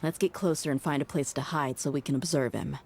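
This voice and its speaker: A woman's voice: low-pitched, steady tone, a little fast, gravelly, a little mellow, husky, full character voice. A woman playing an alert, wary young heroine in a video game. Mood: alert, hushed.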